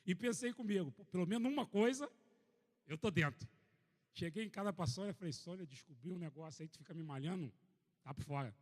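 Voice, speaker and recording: A Brazilian man preaches with a raised voice that rings through a large church hall with long reverb. He is animated and joking, and he reads scripture aloud between funny stories. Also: sits high, fairly quick. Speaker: pastor. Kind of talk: sermon with humorous personal story.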